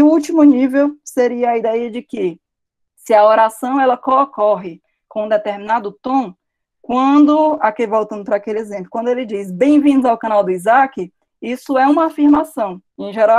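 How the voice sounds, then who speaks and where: A woman's voice: a little high, darkish tone. A woman with a Brazilian Portuguese accent giving an academic lecture over a video call, explaining step by step and posing rhetorical questions. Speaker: university lecturer.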